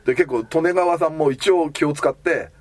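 A man's voice: fairly high pitch, normal speed, background noise. A man hosting a casual anime chat, telling stories and acting out the lines of the people in them. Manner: animated storyteller acting out quoted lines. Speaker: podcast host.

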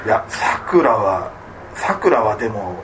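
A man from Tsugaru, a comedian co-hosting a casual podcast chat, rambling and quick to laugh. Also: lowish voice, sing-song, a bit bright, slight background noise. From Tsugaru, Aomori, Japan.

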